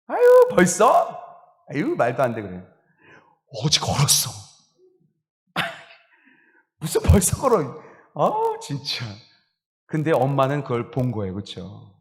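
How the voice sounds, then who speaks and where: A male pastor preaching a sermon, lively and animated, acting out exclamations and laughing along as he speaks. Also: fairly high pitch. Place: church sanctuary. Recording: reverberant church hall.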